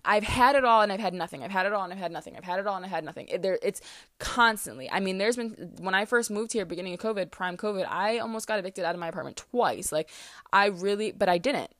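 A woman's voice: mid-range voice, quick pace, fairly bright tone, no echo, clean studio sound. A woman in her twenties from the East Coast, hosting a casual solo podcast and talking candidly, with many fillers and restarts. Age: 20s. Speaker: podcast host. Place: closet, small room.

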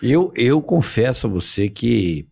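A man's voice: medium pitch, big pitch swings, takes it slowly, gravelly, darkish tone, breathy edge. A man hosting a podcast, talking casually and thinking aloud with frequent restarts and repeated words. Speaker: podcast host, former radio presenter. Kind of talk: casual chat.

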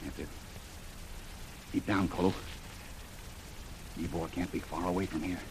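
A man's voice: deep voice, steady tone, a little slow, noisy background. An actor playing a bold, confident male jungle adventurer who takes charge in an old radio serial.

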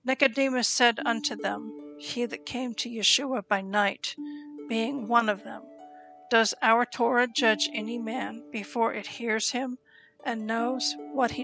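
A woman reads scripture aloud in a slow, solemn and measured way, pausing between phrases. Her voice sits a little high and carries a gravelly fry. Soft instrumental music plays faintly behind her. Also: poor audio. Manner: solemn, even reading pace with deliberate pauses. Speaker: scripture reader.

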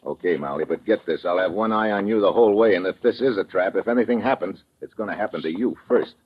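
An actor playing a tough, wisecracking special agent in a radio drama, with an American accent and a blunt, sardonic way of talking. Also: male voice, on the low side, fast, husky. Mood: suspicious, threatening. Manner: hard-boiled, sardonic, blunt. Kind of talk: 1950s radio drama acting and narration. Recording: muffled old radio recording.

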